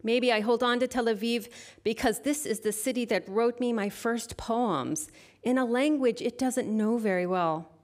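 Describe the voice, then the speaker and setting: A middle-aged woman poet and lecturer, introducing her work haltingly before a slow, measured reading of her poems into a stage microphone. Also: on the high side, a little mellow. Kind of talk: poetry reading with spoken introduction. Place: stage at a literary venue.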